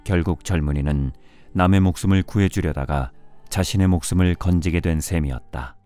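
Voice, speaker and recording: A man reading a storybook in a measured bedtime audiobook style, with music behind him. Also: low-pitched, mellow. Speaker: audiobook narrator. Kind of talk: scripted storybook narration for bedtime listening.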